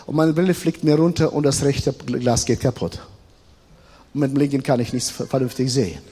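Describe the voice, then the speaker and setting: Husky middle-aged preacher in a reverberant hall. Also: male voice, mid-range voice, fairly quick. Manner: swings between loud emphatic stretches and quiet confiding storytelling. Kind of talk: sermon. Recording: long reverb of a large hall.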